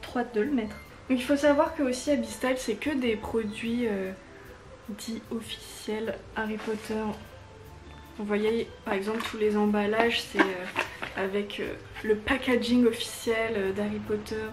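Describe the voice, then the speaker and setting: Woman, highish voice, gushing casual unboxing chat, faint music behind. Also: steady tone, measured pace. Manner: gushing, enthusiastic. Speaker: unboxing vlogger.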